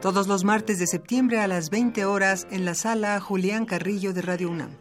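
Station announcer, brisk info read over clear music bed. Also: medium pitch, steady tone. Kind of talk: scripted radio promo.

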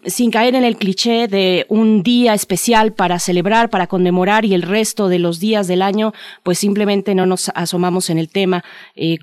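A woman's voice: medium pitch, a little mellow, no echo, studio quality. A woman from Mexico hosting a morning radio talk show, asking questions with many fillers and restarts. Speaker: radio host.

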